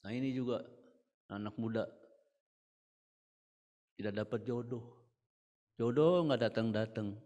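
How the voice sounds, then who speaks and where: A man preaching a church sermon with an Indonesian accent, piling up rhetorical questions and swinging from loud to hushed. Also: medium pitch, measured pace, pauses often. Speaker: pastor. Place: church hall. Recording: church service with hall reverb.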